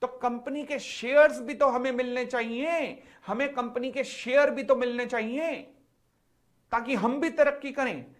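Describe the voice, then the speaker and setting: A man's voice: very high voice, fairly even intonation, a little slow, voice pushed up. A man voicing a crowd of angry male factory workers who insistently demand company shares.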